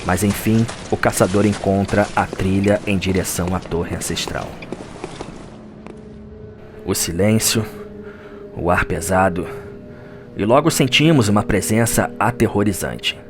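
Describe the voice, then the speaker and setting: A man's voice: lowish voice, animated, a little slow, pauses often, background noise. A Brazilian man delivering a solemn, theatrical scripted narration in the manner of a suspenseful audio drama. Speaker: narrator of a video game lore audio drama. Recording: music under the voice. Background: background music.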